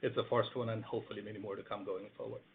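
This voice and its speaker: A man answering analysts as an executive on an earnings call, measured and peppering his answers with "you know" and "right". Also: fairly low pitch, flat delivery, gravelly. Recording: tinny phone conference line with noise.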